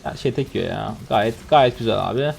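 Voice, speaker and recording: A man in his twenties from Turkey, streaming a game and commenting on his play, swinging from low muttering to loud excited outbursts. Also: moderate pace, creaky, faint music behind. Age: 20s. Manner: swings from muttering to shouting and laughing.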